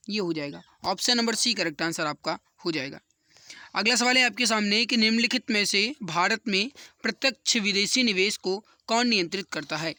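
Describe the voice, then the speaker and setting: Guy coaching exam quiz questions, high sharp voice, repeats answers, dry sound. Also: dry recording. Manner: repeats key answers and points for emphasis. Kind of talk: explanatory quiz lesson for exam students.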